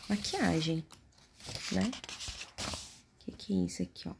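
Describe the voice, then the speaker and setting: A Brazilian woman murmurs casual ASMR as if right in your ear. Her low, gravelly voice often drops into a whisper while she reads aloud and adds offhand remarks. The close home recording has clear background noise. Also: steady tone, measured pace. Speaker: ASMR video host. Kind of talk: soft-spoken and whispered ASMR, casual chat. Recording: noisy close home recording, handling clicks.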